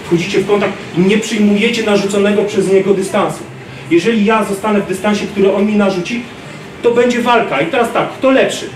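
A man in his thirties giving an animated self-defense lecture to a class, acting out street scenes, filmed by a distant camera in a large gym. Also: sits high, brisk, slight background noise. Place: large gym hall, indoors. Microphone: far camera. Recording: roomy gym echo from far off.

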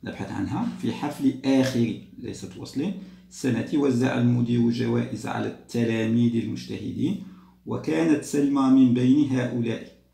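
A man, teaching a grammar lesson to young children patiently, repeating and drawing out words slowly. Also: mid-range voice, vocal fry, dark tone. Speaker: primary school teacher. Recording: roomy echo.

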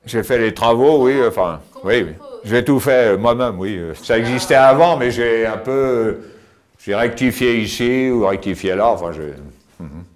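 An older man giving a casual tour of his cave home, talking with many pauses and fillers, recorded on a camera mic as he moves around. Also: medium pitch. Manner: hesitant, many fillers and restarts. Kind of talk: casual spoken house tour. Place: inside stone cave rooms and outdoors by cliffs.

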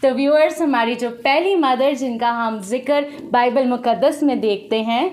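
High-pitched young South Asian-accented woman teaching. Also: racing, noisy background. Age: young adult. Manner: encouraging, simple question-and-prompt teaching; mixes English with Hindi-Urdu. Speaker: host teaching a small child. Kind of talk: children's Bible lesson.

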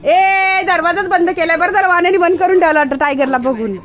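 Outdoors, a woman coaxes her pet dog in a repetitive, sing-song way. Her voice is extremely high-pitched, and she talks fairly quickly.

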